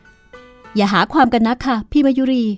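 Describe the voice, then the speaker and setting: A woman's voice: on the high side, fairly quick, warm tone, dry recording, faint music behind, voice pushed up, close to an everyday voice. A woman voicing a hurt, defiant young woman. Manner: tearful pleading turning curt.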